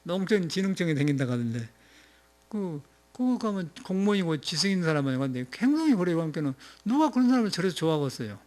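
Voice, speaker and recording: A male monk speaking with a Jeolla accent delivers an informal sermon in a loose, wandering way. His voice sits a little higher than most men's, and he breaks into chuckles and filler sounds as he talks. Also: big pitch swings, fast, a little mellow. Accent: Jeolla Korean. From Jeolla, South Korea. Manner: rambling, conversational, frequent chuckles and filler sounds. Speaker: Buddhist monk giving a dharma talk.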